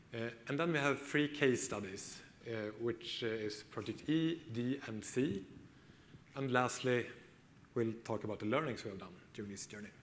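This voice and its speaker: A man with a Swedish accent presents on a conference stage in a middle-pitched voice. He explains things steadily, with a few ums along the way, and a faint hum of the hall sits behind him. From Sweden. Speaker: conference speaker. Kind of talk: conference talk.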